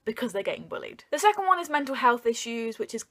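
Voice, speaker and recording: A woman's voice: fairly high pitch, very animated, fast talker, a bit bright. A young adult woman hosting an opinion vlog, talking straight to viewers in an informal, earnest and emphatic way. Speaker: video host.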